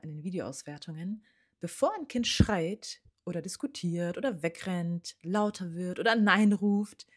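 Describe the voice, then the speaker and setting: Husky-voiced woman coaching parents. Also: on the low side, darkish tone. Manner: earnest, speaks directly to parents, often drops to a near-whisper. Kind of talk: direct-address advice talk.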